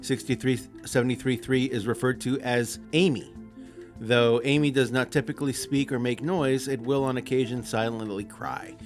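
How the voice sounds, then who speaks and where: Male podcast host, mid pitch, casual read-aloud with stumbles and laughs, faint music behind. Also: steady tone. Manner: reads haltingly, stumbles over words, laughs often.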